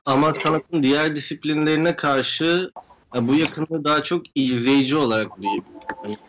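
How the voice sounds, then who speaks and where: A man's voice: medium pitch, slight background noise, rough recording. Young man answering interview questions. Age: young adult. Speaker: guest performance artist. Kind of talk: interview answers, explanatory talk. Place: indoor room at home, video call. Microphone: video call microphone.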